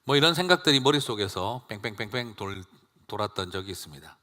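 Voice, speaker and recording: Male pastor, bright tone, conversational sermon with rhetorical questions, church reverb. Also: fairly low pitch, lively intonation, fast. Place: church sanctuary.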